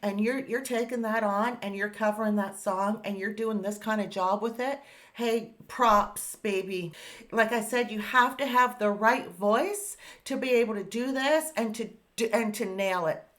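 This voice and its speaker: A woman's voice: on the high side, unhurried, a bit bright. A woman, hosting a casual music reaction video in an upbeat, chatty way with many fillers. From Canada.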